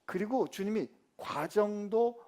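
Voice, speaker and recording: A male pastor preaching a sermon in a lively, colloquial way, swinging between loud outbursts and hushed asides. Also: high-pitched, slow pace.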